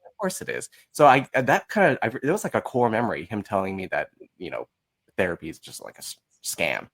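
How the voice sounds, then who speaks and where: A man with a fairly low voice talks candidly as an interview guest. He tells stories casually, is blunt and pokes fun at himself, and voices the remarks he quotes. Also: expressive, fairly quick, creaky, a bit bright. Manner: blunt, self-mocking, acts out quoted remarks. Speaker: podcast guest.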